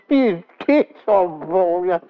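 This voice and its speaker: Teasing male host, lively pitch. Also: very slow, slight background noise. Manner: teasing, laughs easily. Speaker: talk show host. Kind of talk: casual talk show conversation. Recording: dry, dull sound.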